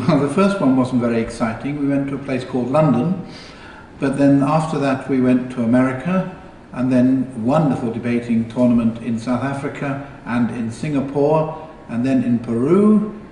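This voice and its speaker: An older man answers interview questions at an unhurried pace, pausing now and then. He sounds a little distant from the mic, and his voice rings out across a large, echoey hall. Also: medium pitch, warm tone, slight background noise. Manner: unhurried, hesitant with fillers. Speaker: retired teacher and tournament founder.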